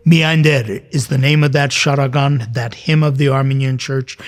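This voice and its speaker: A man's voice: medium pitch, steady tone, moderate pace. A man hosting a church programme as a priest, talking informally and explaining things directly to his viewers in a conversational way.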